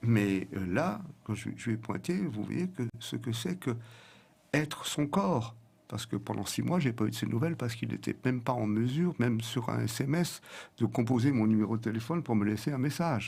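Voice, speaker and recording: A man speaks with vocal fry at a moderate pace. His intonation is lively. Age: 70s. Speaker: psychotherapist. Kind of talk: radio interview. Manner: halting, many repetitions.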